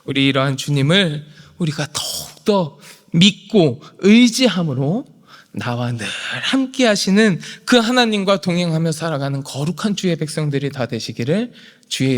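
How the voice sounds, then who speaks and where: High-voiced man preaching in a reverberant church. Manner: dramatic swings from hushed whispers to shouted proclamation. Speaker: pastor. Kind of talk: sermon. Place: church sanctuary. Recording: long hall reverb.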